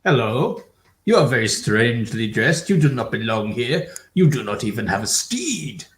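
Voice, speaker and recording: A man in an improvised comedy scene playing a haughty male Mongol horseman who talks slowly and mockingly. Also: mid-range voice, very animated, reverberant, lightly acted. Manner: slow, lordly, mocking.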